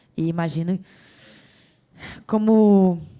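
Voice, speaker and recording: Recorded very cleanly with a silent background, a woman with a Brazilian accent speaks in a dark, mellow tone. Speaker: singer-songwriter. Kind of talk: interview.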